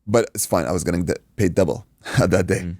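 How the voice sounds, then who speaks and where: A man from Iraq, a native Arabic speaker, telling an animated anecdote in casual podcast chat, acting out dialogue and swearing freely. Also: low-pitched, fairly quick, no room sound, studio quality. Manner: acts out dialogue, swears, says "dude". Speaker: podcast guest, martial arts coach and stunt performer.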